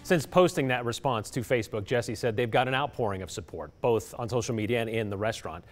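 A man's voice: medium pitch, fast talker, long reverb tail. A middle-aged man presenting a scripted TV news report in a studio, with an emphatic anchor delivery. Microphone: lapel mic.

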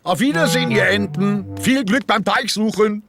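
A man's voice: high voice, moderate pace, gravelly, very noisy. A man voicing a jolly, overconfident pig father in a German cartoon dub, with hearty chuckles and cheerful boasting. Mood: cheery bluster.

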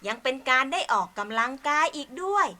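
A woman's voice: high voice, animated, brisk, pushed and bright. A woman voicing a sensible, hardworking young male ant in a children's storybook play, explaining things patiently.

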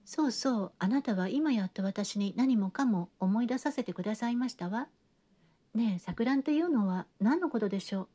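A fussy, theatrical society lady pours out gossip in an endless stream of refined, breathless sentences, as a woman narrator puts her on. The voice sits a little high but sounds mellow and soft. It is a classic-novel audiobook. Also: expressive, normal speed. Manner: gushing, breathless chatter with refined feminine endings. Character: chattering, theatrical genteel lady, middle-aged.

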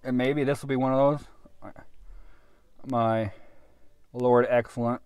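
A man in his thirties giving a casual off-the-cuff product review, halting and unhurried as he thinks aloud, recorded in a car. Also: medium pitch, fairly even intonation, darkish tone, smooth, no echo. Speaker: pipe tobacco reviewer. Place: inside a parked car.

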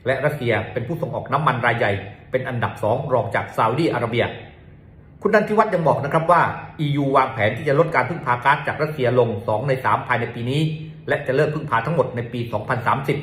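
Casting man, news presenter, brisk polite delivery, mid pitch, echoey room. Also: a bit bright. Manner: polite, with frequent particles. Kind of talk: reading a news commentary. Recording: roomy echo.

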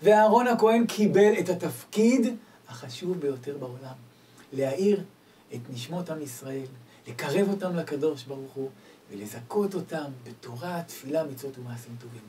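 A man delivering a storytelling sermon as a rabbi, swinging from loud exclamations to hushed asides. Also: on the high side, lively intonation. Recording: distant mic, faint background noise.

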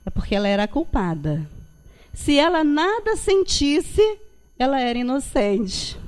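High-voiced woman giving a talk. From Brazil. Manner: reflective, frequent checking tags. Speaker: guest lecturer at a Spiritist centre. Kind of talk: religious public talk, informal and conversational. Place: meeting hall with projection screen.

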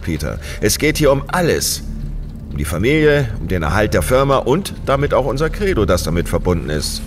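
A man's voice: medium pitch, lightly acted. A man playing a stern, demanding father in an audio drama, speaking in a solemn, commanding way. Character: stern, demanding father burdening his young son.

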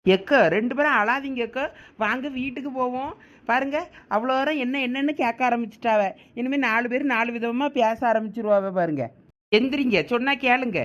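A woman's voice: on the high side, brisk. A woman with a Thoothukudi Tamil accent coaxing and pleading with others in a comedy village sketch. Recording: dull lo-fi sound.

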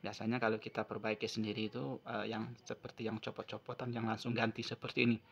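Male tutorial presenter, lowish voice, repetitive hands-on explaining, muffled recording. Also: flat delivery, quick pace, creaky. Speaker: phone repair tutorial presenter. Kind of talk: unscripted hands-on tutorial narration. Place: at a wooden table indoors.

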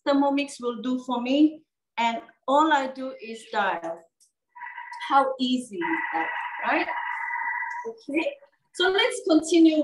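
A woman hosting a cooking demonstration, explaining each step casually with many fillers and frequent "okay?" checks. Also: high voice. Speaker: cooking show host. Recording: echoey room, mic at a distance.

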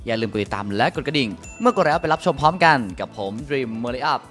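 A man hosting a product rundown, pitching deals like a hype seller and urging viewers to buy. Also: animated, fast talker, fairly bright tone, soft background music. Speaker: tech reviewer and channel host.

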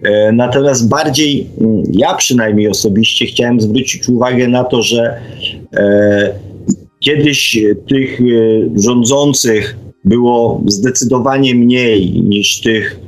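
A man hosting a reflective radio discussion, speaking haltingly and often adding tag questions. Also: mid-range voice, rough recording.

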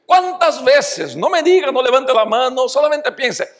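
A man preaching a sermon as a pastor, dramatic, dropping soft for quotes and rising to shouts. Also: very high voice, sing-song, unhurried.

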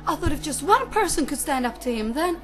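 A woman voicing a defiant, sharp-tongued young gypsy dancer in an amateur cartoon fandub, with a sardonic, challenging manner. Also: high-pitched, animated, brisk. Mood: indignant. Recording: music behind the voice.

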